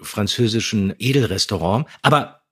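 Husky-voiced male podcast co-host. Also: fairly low pitch, animated, moderate pace, fairly bright tone. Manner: opinionated, emphatic. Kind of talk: casual review chat.

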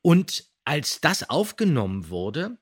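Chatty man telling anecdotes, slightly husky. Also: fairly high pitch, big pitch swings, slow pace. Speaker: podcast host. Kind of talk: casual podcast talk with anecdotes and background facts.

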